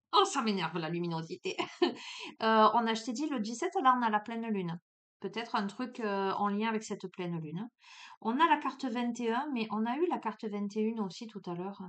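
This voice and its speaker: A woman's voice: mid-range voice, fairly bright tone. Chatty woman with a Marseille accent. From Marseille, France. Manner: chatty and familiar, speaks straight to the viewer, peppers lines with "hein". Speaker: tarot card reader. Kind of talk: casual spoken card reading to viewers.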